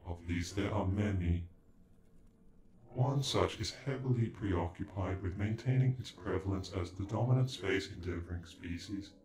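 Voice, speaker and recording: A man's voice: low voice, moderate pace. A man playing an ancient alien android in a sci-fi ASMR roleplay, speaking in formal, stilted, condescending phrases with glitchy robotic stutters. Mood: grave, explanatory. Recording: echoing, with music behind.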